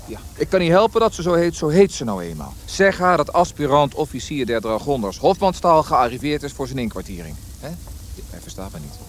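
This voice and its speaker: An actor playing a haughty young officer cadet in a radio drama, blustering and impatient. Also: male voice, a little high, a bit bright, a little hiss or hum. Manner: blustering, impatient, stammers in indignation.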